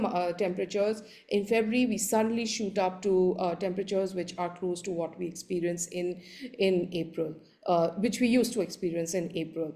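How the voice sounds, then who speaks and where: A woman with an Indian accent, a native Hindi speaker, giving an explanatory conference presentation in a halting way, often repeating words. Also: medium pitch, mellow. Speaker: panelist giving a slide presentation.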